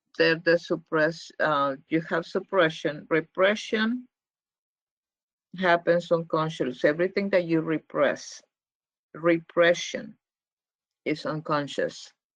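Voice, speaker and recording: Very slow, non-native-accented speech with long, frequent pauses. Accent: has a noticeable foreign. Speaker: class teacher. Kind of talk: class discussion. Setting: class group session.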